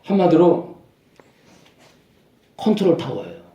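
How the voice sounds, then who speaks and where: A man's voice: sing-song, takes it slowly, mellow, highs cut off. Emphatic male pastor in an echoey hall. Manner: emphatic, repeats phrases and rises in pitch to stress points. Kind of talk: sermon.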